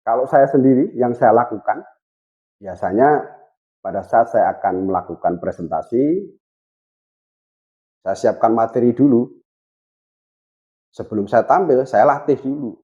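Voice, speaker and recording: A man's voice: mid-range voice, lively intonation, a little slow, pauses often, lo-fi sound. A man in his thirties teaching public speaking, talking straight to his viewers and shifting his intonation on purpose to show how it is done. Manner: varies intonation on purpose to demonstrate. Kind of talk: instructional talk to camera.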